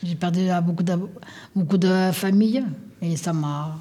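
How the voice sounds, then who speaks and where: Brief: elderly Portuguese-accented woman, low mellow voice, halting replies. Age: older. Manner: short hesitant answers. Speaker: nursing home resident. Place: nursing home.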